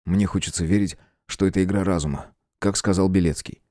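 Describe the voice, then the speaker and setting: Guy doing a cool even-toned detective type, asks stuff dry and steady, mellow voice. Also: deep voice, no echo, lightly acted. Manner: measured, dry questioning. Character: calm, probing male investigator.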